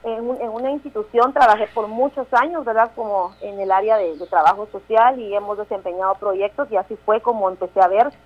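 A Guatemalan woman in her thirties, a town mayor speaking as a radio interview guest, halting with restarts and tag questions. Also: mid-range voice, fairly even intonation, muffled recording. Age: 30s.

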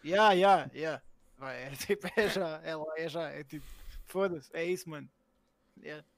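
A man's voice: a little high, moderate pace, gravelly, no room sound. A man with a European Portuguese accent, a podcast co-host bantering casually in blunt, sweary slang and often repeating himself.

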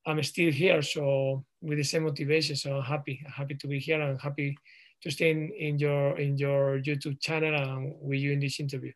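A man in his thirties from Spain with a Spanish accent, answering interview questions in English with frequent pauses and restarts. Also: a little high, flat delivery. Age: 30s. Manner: halting, frequent ums and restarts. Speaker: guest, professional footballer.

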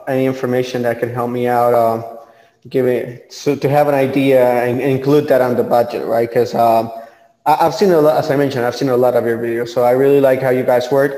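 Polite, hesitant business owner, mellow tone, long room reverb. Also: male voice, mid-range voice. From Honduras. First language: Spanish. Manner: polite, hesitant, laughs often.

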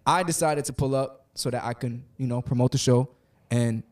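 A man's voice: medium pitch, moderate pace. Late-20s male podcast host from New York, loose and joking, a bit off-mic. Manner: loose, joking, talks over the others. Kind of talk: casual chat. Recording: distant from the mic.

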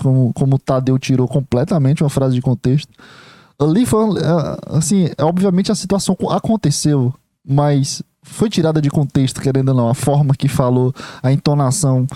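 A man's voice: on the high side, dark tone, no room sound. A young man with a Brazilian accent giving a rambling casual opinion monologue, full of restarts and fillers. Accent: Brazilian Portuguese. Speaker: commentator.

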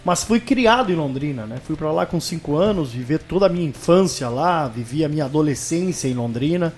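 A man's voice: a little high, expressive, a little fast, a little mellow. A man in his thirties from northern Paraná, a radio sports commentator talking as a podcast guest, telling his story at an easy pace and often ending phrases with a question tag. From northern Paraná, Brazil. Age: 30s. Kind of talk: casual podcast interview.

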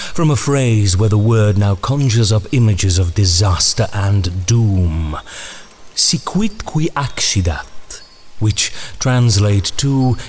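A slow, sinister, courtly ringmaster. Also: male voice, fairly low pitch, darkish tone, slight background noise. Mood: ominous musing. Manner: theatrical, archaic, deliberate phrasing. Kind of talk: audio drama acting.

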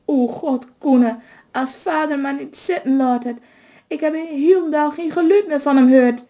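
A woman doing a frantic, wailing old village woman. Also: unhurried. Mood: anguished. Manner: high, loud, tearful pleading.

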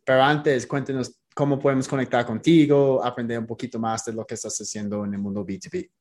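A man's voice: mid-range voice, fairly even intonation, fast, darkish tone. A man hosting an interview in his second language, upbeat, talking to the listeners and often checking in with "ok?". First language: not Spanish. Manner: upbeat, addresses listeners, frequent "ok?". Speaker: host.

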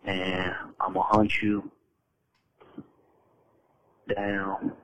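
A man's voice: low voice, monotone, drawn-out words, a bit bright, poor audio. A man speaking informally, as if leaving a spoken message.

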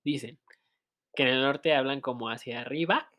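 A man's voice: mid-range voice, normal speed, sharp tone. A man with a Mexican accent co-hosting a casual podcast chat, joking and laughing often. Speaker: podcast co-host.

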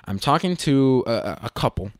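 A man's voice: medium pitch, lively intonation, normal speed, no room sound, studio quality. A young man from Las Vegas telling a travel story in a rambling, slangy, self-correcting way. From Las Vegas, USA. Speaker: vlogger. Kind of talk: casual storytelling.

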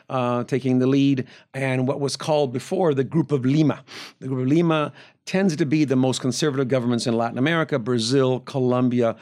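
Thoughtful professor from Venezuela, explaining. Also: male voice, medium pitch, darkish tone. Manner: measured, explanatory, with frequent filler hesitations and restarts. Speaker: guest professor. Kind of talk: conversational interview answers.

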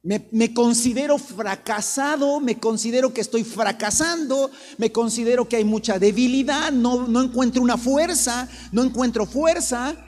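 A man preaching a sermon as a pastor, dramatic, swinging from loud emphasis to soft low passages and acting out quoted voices. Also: normal speed, hardly any pauses. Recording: long reverb, faint room noise.

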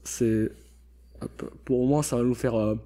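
This is a young man hosting a casual chat, with a relaxed, chatty way of talking. His voice is mellow and warm. He leans on fillers while he steers the conversation. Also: medium pitch, slow pace. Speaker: host.

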